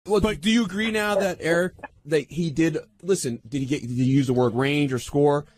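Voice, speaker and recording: A man's voice: on the high side, a little fast, no echo. A man on a radio panel asking persistent questions in an unscripted debate.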